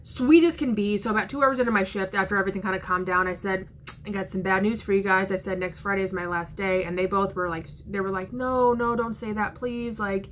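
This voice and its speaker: A woman's voice: medium pitch, fairly even intonation, a little fast, a bit bright, slight background noise, low-quality recording. A young woman in her twenties telling a story in a casual vlog from her living room, talking bluntly, swearing freely and using lots of fillers. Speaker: vlogger. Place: living room at home, indoors.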